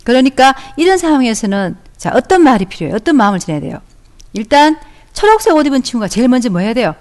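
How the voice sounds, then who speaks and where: Teacher woman with a fairly high voice. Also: big pitch swings, quick pace. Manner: warm, encouraging, acts out children's lines. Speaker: elementary school teacher. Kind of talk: audio-only online lesson for children. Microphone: close microphone, audio only.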